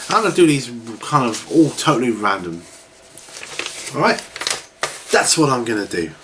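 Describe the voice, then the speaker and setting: A middle-aged man with a slightly congested voice, chatting casually and in a rambling way as the host of a video series. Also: medium pitch. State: recovering from a cold, with a cough. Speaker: host of a hobby question-and-answer video series. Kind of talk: casual chat to camera. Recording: clearly noisy home recording.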